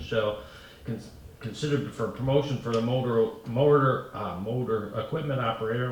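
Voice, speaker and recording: Man stumbling through a resolution reading. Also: lowish voice. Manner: stumbling, slow over numbers. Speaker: town board member. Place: town hall meeting room. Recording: echoey room, far from mic, faint noise.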